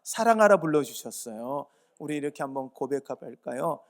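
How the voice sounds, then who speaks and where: A man's voice: mid-range voice, animated, brisk. A pastor from Yeosu in South Korea, preaching a sermon at a church service. He earnestly urges the congregation and answers his own rhetorical questions. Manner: earnest, urging.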